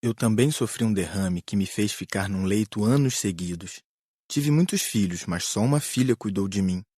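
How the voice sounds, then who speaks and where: A low-voiced, slightly rough male spirit played by a man gives an earnest confession. He speaks with measured regret, as in an audiobook drama, in a very dry room. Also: a little mellow, no room sound. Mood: sorrowful.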